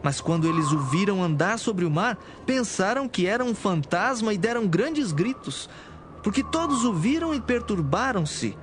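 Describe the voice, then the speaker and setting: A man's voice: high voice, big pitch swings, moderate pace, background noise. A man giving solemn scripted narration as the narrator of a dramatized Bible. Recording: music behind.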